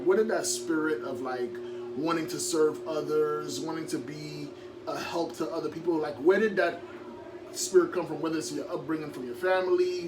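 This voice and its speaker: An energetic man hosting a casual interview, chatty and upbeat, often saying "like" and "yo". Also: fairly high pitch. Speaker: motivational speaker and interviewer. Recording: distant mic with noise and hum.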